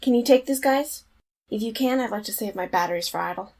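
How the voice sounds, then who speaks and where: An actress plays a determined young heroine in an audio drama. She is blunt, with a slightly high voice. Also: brisk, darkish tone.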